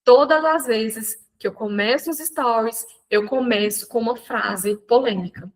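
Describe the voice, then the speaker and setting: A woman speaking Brazilian Portuguese mentors an audience in a live online talk, chatty and animated, frequently restarting sentences. Her voice is on the high side and unhurried, and the audio quality is poor.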